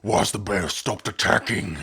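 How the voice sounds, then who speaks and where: A man's voice: fairly low pitch, unhurried, creaky, pushed and bright, husky, exaggerated voice. A man voicing a treacherous, cowardly orc chief in a fantasy audio roleplay, barking and imperious. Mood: commanding.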